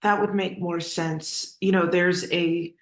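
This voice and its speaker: A woman with a slightly low voice conducts a casual interview in a very roomy, echoing recording. She is hesitant and conversational, often reshaping a question while saying it. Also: fairly even intonation, slow pace. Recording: echoey, roomy sound.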